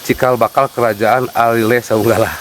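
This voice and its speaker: At a wooded sacred site outdoors, a Sundanese guide from West Java talks through a casual explanatory interview, unhurried and full of fillers. His mid-range voice holds a level tone and moves fairly quickly. The audio is poor, with a little hiss or hum.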